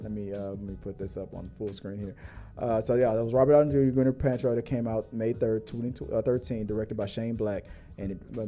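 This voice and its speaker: A man in his forties hosting a laid-back podcast, talking in a halting way with many fillers and restarts. His pitch sits in an ordinary middle range, and faint music plays under the talk. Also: mellow. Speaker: podcast host. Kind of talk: casual chat.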